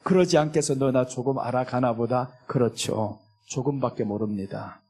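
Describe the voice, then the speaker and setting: A male pastor preaching a sermon in a church. He acts out pleading prayers with emphasis and drops to a soft, low voice for reflective asides.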